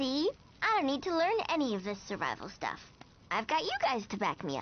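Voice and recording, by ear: A female-sounding cartoonish character voice, high-pitched with very wide pitch swings. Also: fairly quick pace.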